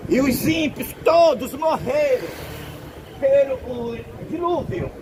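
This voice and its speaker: A Brazilian man with a Brazilian Portuguese accent preaching a sermon in a slow, deliberate, emphatic way, recorded outdoors. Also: extremely high pitch, expressive, darkish tone, low-quality recording. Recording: outdoor traffic noise behind.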